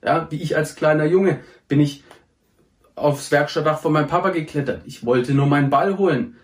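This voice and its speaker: A man's voice: a little high, normal speed. Blunt, earnest man preaching to teens. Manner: blunt, earnest, swears freely, repeats phrases for emphasis. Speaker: addiction prevention speaker. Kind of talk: direct motivational address to young people.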